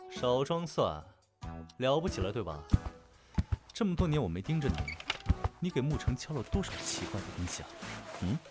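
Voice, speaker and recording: A man's voice: medium pitch, big pitch swings, normal speed, pauses often, music in the background, natural voice. A man playing a protective, playful young elder brother in an audio drama, with exaggerated indignant banter. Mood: mock interrogation. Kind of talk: fan audio drama acting.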